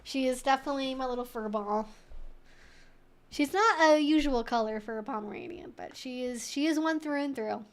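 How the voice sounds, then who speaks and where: Answering viewer questions on a laid-back Q&A livestream, this woman speaks at a moderate pace in a high-sitting voice. Her talk rambles chattily and is packed with informal asides.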